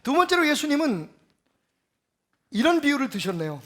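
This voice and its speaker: High-voiced man preaching a sermon. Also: very animated, moderate pace. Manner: emphatic, with rhetorical questions, swinging between loud and soft. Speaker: pastor. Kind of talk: Sunday sermon.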